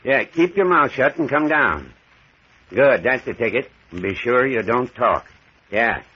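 Husky, folksy old country doctor. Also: male voice, mid-range voice, animated, unhurried. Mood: urgent. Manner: folksy rural idiom, dry. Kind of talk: 1940s radio acting. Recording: dull old radio recording.

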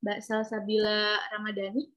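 Bright-voiced woman presenting slides. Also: medium pitch, completely flat delivery, normal speed, slight background noise. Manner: chatty, addresses audience directly. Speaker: webinar speaker. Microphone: computer mic on video call.

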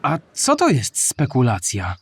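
Small cartoon animal, inquisitive, naive, wide-eyed, educational radio play. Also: male voice, mid-range voice, huge pitch swings, a little slow, slightly rough, exaggerated voice. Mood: curious. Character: curious, naive little animal character asking about history.

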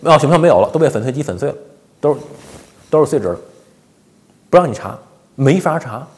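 一位四十多岁、带北方普通话口音的男性，用口语化的方式做时政评论，常用反问和“对不对”之类的追问。. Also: male voice, medium pitch, lively intonation, brisk, darkish tone. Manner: colloquial, rhetorical questions, frequent tag questions. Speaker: commentator, host of a daily show. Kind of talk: informal political commentary. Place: small indoor home office. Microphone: lapel.

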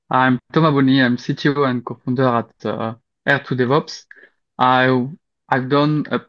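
Guy walking through a tech demo on a webcam, mid pitch, kinda muffled audio. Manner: steady explanatory, occasional restarts. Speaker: conference speaker. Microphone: video call webcam. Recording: dull lo-fi call audio.

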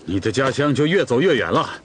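An actor playing a dutiful young Torghut man in a costume drama who scolds firmly and then soothes gently. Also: medium pitch, sing-song, fairly quick, background noise, close to an everyday voice. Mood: stern. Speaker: Torghut herder tending the khan's horses. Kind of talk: television costume drama dialogue.

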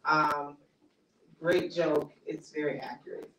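Author lecturing in an echoey bookstore. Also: female voice, sits low, flat delivery, slow pace, slight background noise. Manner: conversational, laughs easily, many fillers. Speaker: author giving a talk. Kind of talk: casual lecture with audience Q&A. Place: small bookstore cafe event space. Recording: echoey room, mic far off.

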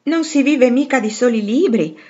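A woman reading the part of a shy, courteous teenage boy in a storybook, polite and gently teasing. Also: fairly high pitch, normal speed, husky, highs cut off, voice pushed up.

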